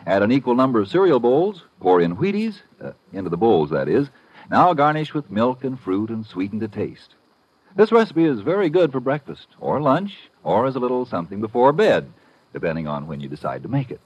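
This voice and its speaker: A dry, dull vintage radio recording of an American male announcer. His voice is husky and swings widely in pitch as he delivers a playful, folksy commercial. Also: sing-song, brisk, darkish tone, no room sound. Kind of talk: folksy 1950s radio advertisement read.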